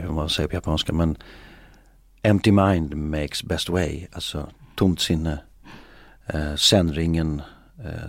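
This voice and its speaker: Deep gravelly man musing hesitantly. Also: no echo, studio quality. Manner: hesitant, many filler sounds; musing, philosophical. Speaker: interview guest. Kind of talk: reflective conversation.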